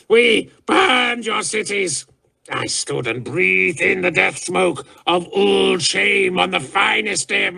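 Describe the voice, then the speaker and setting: Raging giant warlord. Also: male voice, low-pitched, pitched below the performer's own voice, heavily acted. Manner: roaring, ranting shouts between rasping hisses. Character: raging giant male warlord, brutal and unhinged.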